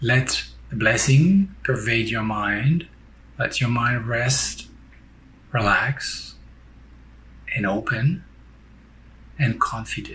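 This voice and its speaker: A man's very slow speech with long, frequent pauses over noticeable background noise. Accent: strong French. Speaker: Buddhist teacher. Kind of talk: dharma talk; guided meditation. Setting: recorded virtual meeting. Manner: halting with many fillers.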